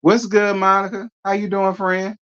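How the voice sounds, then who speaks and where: A man's voice: high-pitched, level tone, normal speed, fairly bright tone, clear, resonant tone, muffled recording. Sassy drawling man on a live chat. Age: 30s. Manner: sassy, drawling, laughs often. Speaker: host reading live chat. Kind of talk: casual live-stream chat.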